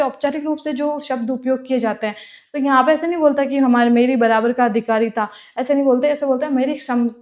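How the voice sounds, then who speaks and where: A woman's voice: high-pitched, a little mellow. A woman teaching for a clerk exam, explaining terms by repeating them and asking and answering her own questions. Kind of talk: classroom lecture.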